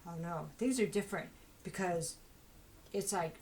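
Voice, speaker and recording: Fast-talking, rambling woman tarot reader. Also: lowish voice, a little mellow, slight background noise, poor audio. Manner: fast, rambling, conversational with many fillers. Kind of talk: casual tarot reading monologue.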